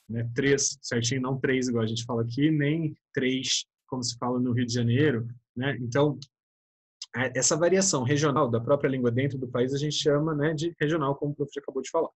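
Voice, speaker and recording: Husky Brazilian teacher chatting through a lesson. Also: male voice, mid-range voice. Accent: Brazilian Portuguese. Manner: chatty, keeps adding "né?" and addressing students as "galera". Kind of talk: casual online class lecture.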